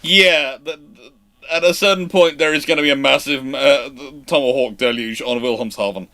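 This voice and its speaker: A man's voice: mid-range voice, pushed and bright. A man hosting a casual live question-and-answer chat, stammering through false starts and repeating himself. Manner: halting, stammering false starts and self-repetition.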